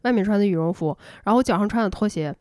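A woman podcast host telling a personal story in casual chat, animated and laughing often. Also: medium pitch, racing, dry recording, clean studio sound. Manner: animated, laughs often, acts out quoted lines.

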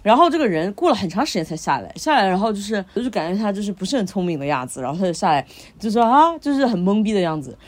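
A woman's voice: medium pitch, sing-song, very fast. A woman co-hosting a podcast, telling a story in casual chat, stringing clauses together with lots of fillers. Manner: rambling, chains clauses with fillers. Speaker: podcast co-host.

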